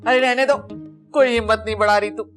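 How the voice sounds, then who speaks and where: A woman's voice: on the high side, steady tone, fast, soft background music, lightly acted. An actress playing a melodramatic, demanding older mother who wails and complains. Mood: complaining. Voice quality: wailing, complaining. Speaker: mother-in-law. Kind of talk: sitcom acting.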